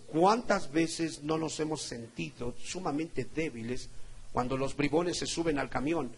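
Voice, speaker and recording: A man with a Mexican Spanish accent preaching a sermon as pastor, swinging from loud emphatic peaks to low quiet asides. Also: slightly rough.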